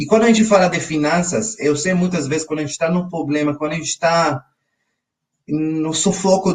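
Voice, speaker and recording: A man's fairly high-pitched voice with an Israeli accent, fairly even intonation, and a fairly quick pace. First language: Hebrew (speaking Portuguese). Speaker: financial educator. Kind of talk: online lecture.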